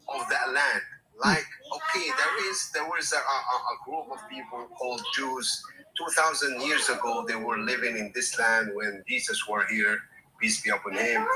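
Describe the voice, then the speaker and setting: Earnest man, halting speech. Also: mid-range voice, low-quality recording. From Palestine. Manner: halting, repeats and restarts words, earnest. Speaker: guest on a live call. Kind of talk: casual chat. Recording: crowd noise behind.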